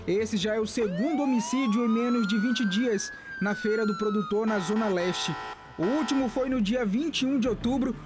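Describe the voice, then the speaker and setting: A man with a Brazilian accent delivering a scripted TV news report in a formal, even tone. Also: high-pitched, normal speed. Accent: Brazilian Portuguese. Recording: TV news report with music bed.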